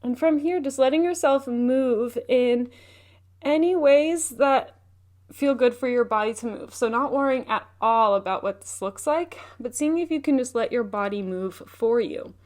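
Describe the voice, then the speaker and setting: A woman leading a guided meditation as a teacher, speaking in a gentle, unhurried, soothing way. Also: a little high.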